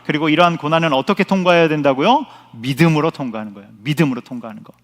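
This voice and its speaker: Male pastor, slightly high voice, emphatic sermon delivery with repeated phrases, long church reverb. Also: rapid-fire. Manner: emphatic preaching, repeating key phrases, asking the congregation questions. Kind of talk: sermon at a Friday prayer meeting. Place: church sanctuary.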